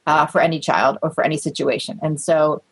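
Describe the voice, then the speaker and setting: A middle-aged woman, a researcher, explaining findings in a measured, conversational way during an interview. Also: sits low, fairly even intonation, breathy edge, poor audio. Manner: measured, explanatory, with light laughs and fillers. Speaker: research guest.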